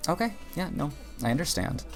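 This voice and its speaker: An actor playing a teasing, supportive small-town barista in an audio drama, expressive and playful. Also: mid-range voice, a little fast, faint music behind. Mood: teasing, excited. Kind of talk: naturalistic audio drama acting.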